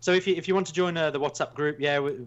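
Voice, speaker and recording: A man's voice: a little high, steady tone, very fast. A man with a Black Country accent hosts a casual podcast in a rambling, jokey, self-mocking way. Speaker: podcast host. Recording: slightly dull, lo-fi sound.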